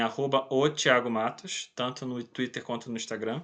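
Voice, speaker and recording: A man's bright, sharp tone comes at a moderate pace with fairly even intonation over a quiet background. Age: 20s. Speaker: political scientist living abroad. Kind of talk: interview. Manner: halting, with frequent repetitions.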